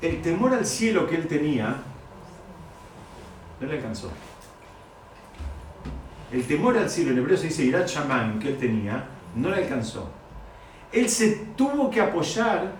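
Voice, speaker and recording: A man teaching a Talmud story to students, animated and repeating key phrases. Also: fairly high pitch, slight background noise. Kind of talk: lecture to students. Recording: echoey room, mic far off.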